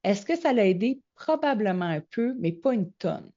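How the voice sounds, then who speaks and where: Middle-aged woman, Québécois accent, animated storyteller guest, slightly dull recording. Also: medium pitch, normal speed. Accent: Québécois French. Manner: animated storyteller, acts out quoted dialogue. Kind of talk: casual storytelling interview. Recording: slightly muffled lo-fi audio.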